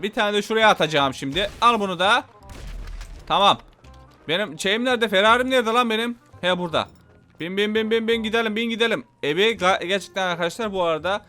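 A man giving excitable, casual commentary over his own gameplay as a gaming YouTuber. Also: sits high. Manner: excitable, exclaiming.

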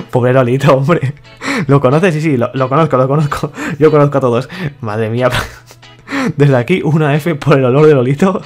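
A young man talks through a game in a loose, joking way, chuckling often and reading out what other players type. His voice sits at an ordinary middle pitch, and soft music plays faintly under it. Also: moderate pace, long pauses. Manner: playful, laughs often, reads other players' chat aloud. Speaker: gaming YouTuber. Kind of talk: casual gameplay commentary.

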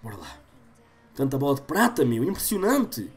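A man in his twenties with a European Portuguese accent and a slightly stuffy nose, doing excitable gaming commentary for his viewers. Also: mid-range voice, moderate pace. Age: 20s. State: slightly congested from a cold. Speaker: gaming YouTuber. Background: game music.

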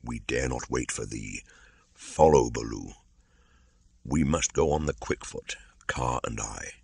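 Man voicing a black panther, calm, commanding, soft, husky, gravelly. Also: no echo, studio quality, exaggerated voice. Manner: soft, low and deliberate. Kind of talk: audiobook character voice.

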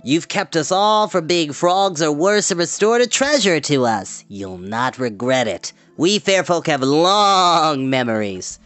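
A man voicing a gruff, grumbling but loyal male dwarf in a storybook reading, with a blustering manner. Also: fairly high pitch, sing-song, a little slow, few pauses, a bit bright, no echo, soft background music. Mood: solemn farewell.

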